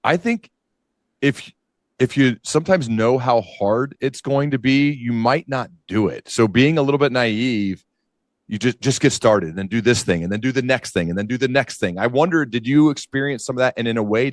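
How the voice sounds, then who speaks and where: A man's voice: mid-range voice, moderate pace, no echo, clean studio sound. A man hosting an interview in a casual, conversational way, curious and thinking aloud as he frames his questions. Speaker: podcast host, interviewer.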